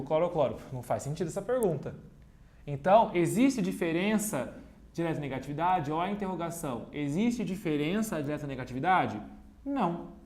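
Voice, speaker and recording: A man teaching a chemistry video lesson at a digital whiteboard. He repeats key points step by step, talks straight to his students and slips in playful jokes at his own expense. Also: a little high. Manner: playful, cracks jokes and teases himself between explanations.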